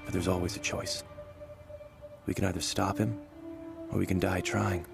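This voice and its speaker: Gravelly, deep, world-weary soldier. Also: male voice, level tone, normal speed, over music. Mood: determined. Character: resolute, world-weary fugitive ex-soldier hero. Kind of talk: dramatic motion-comic voice acting.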